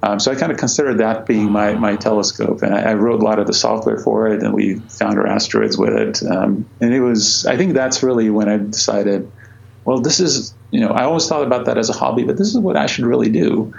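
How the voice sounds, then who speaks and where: Low gravelly man with many fillers. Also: fairly even intonation, fairly quick, darkish tone, muffled recording. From Croatia. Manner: hesitant, many fillers and restarts. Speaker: astronomer guest. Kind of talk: conversational interview answers.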